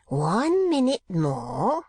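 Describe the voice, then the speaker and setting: A man's voice: huge pitch swings, very slow, a little mellow, breathy edge, no room sound, clean studio sound, full character voice. A man voicing a spiteful, lecherous old miser in an audiobook, with a cracked, sneering voice. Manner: sneering, wheedling, shrill outbursts. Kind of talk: dramatised audiobook reading.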